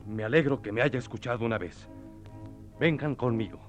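A man playing an excitable but sensible farm overseer in a theatrical radio play, given to exclamations. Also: mid-range voice, a little fast, over music, lightly acted. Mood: matter-of-fact. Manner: exclamatory, swinging from matter-of-fact to loud alarm.

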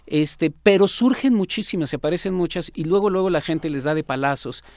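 A man talks about a nature reserve in a lively, chatty interview. His voice sits a little high, and the recording is close and dry. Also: fairly quick, no echo. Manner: animated, explains with homely comparisons and quoted reactions. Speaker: executive secretary of a nature reserve. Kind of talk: casual interview talk.

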